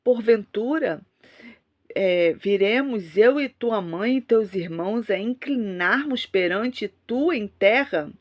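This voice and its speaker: A Brazilian woman speaks as an online pastor. Her voice sits at a middle pitch for a woman, and she has a cold. She delivers her words in an emphatic religious style, leaning on repeated devotional phrases. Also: lively intonation, takes it slowly, a little mellow. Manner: emphatic, repetitive religious exhortation. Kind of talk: fervent prayer, preaching and scripture reading.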